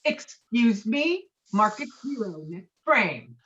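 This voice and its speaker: A woman's voice: on the high side, sing-song, takes it slowly, a bit bright, lo-fi sound, full character voice. A woman acting a belligerent, rule-obsessed middle-aged male bowler in a script read, emphatic, self-righteous and foul-mouthed. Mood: furious, shouting. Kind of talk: acted table read of a film script.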